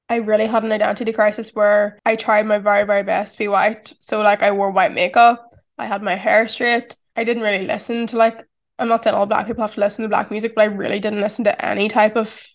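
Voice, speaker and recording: Chatty Irish woman with a flat voice. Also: fairly high pitch. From Ireland. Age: 20s. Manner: chatty, reflective, heavy use of "like". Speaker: podcast host. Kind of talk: casual solo podcast monologue.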